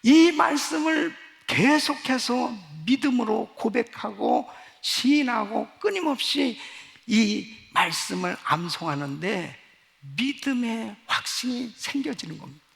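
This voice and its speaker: A middle-aged male pastor giving a sermon, telling a story emphatically, swinging from hushed to loud. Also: very high voice, expressive, a little slow, creaky. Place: large church sanctuary. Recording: church hall reverb.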